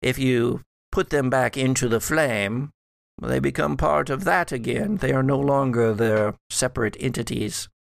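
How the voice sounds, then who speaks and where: A man playing a wry, scheming, scholarly old ancestor back from death in a tabletop horror game, speaking haltingly and formally. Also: mid-range voice, gravelly, no echo, clean studio sound. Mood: pondering, scheming. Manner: halting, deliberate, formal phrasing. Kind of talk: improvised tabletop horror roleplay.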